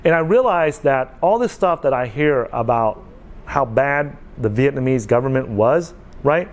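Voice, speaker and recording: A man's voice: mid-range voice, animated, a little slow. A man in his forties talking casually to his viewers, earnest and repetitive, often checking in with "okay.". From United States. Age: 40s. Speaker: vlogger. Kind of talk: casual talk to camera.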